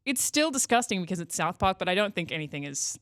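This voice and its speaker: A woman's voice: lowish voice, big pitch swings, quick pace, fairly bright tone, dry recording, studio quality. A woman with an Australian accent chatting casually as a panelist on a video game podcast. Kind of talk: casual panel chat about video games.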